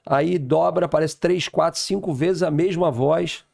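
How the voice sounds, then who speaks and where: A man's voice: on the high side, fairly even intonation, measured pace, vocal fry, a little mellow, no room sound, clean studio sound. A man, a samba songwriter chatting and telling stories on a podcast. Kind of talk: casual podcast chat.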